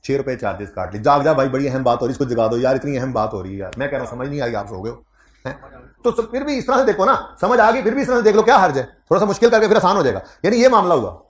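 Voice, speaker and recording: A man's voice: mid-range voice, sing-song, very fast. Teasing man lecturing a class. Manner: conversational, teasing students, repeats key points. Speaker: accounting lecturer.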